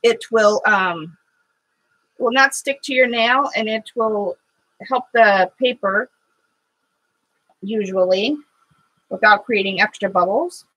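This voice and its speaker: A middle-aged woman hosting a live watercolor painting stream, chatting with viewers between steps in a loud, halting way full of fillers. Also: mid-range voice, slightly rough, low-quality recording. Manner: loud voice by her own account, halting with fillers and restarts. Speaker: watercolor livestream host.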